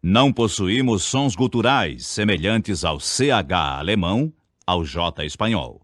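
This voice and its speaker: Deliberate Brazilian man teaching diction. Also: low voice, lively intonation, dry recording, clean studio sound. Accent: Brazilian Portuguese. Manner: deliberate, over-enunciates example words. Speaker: speech teacher. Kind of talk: scripted lesson narration.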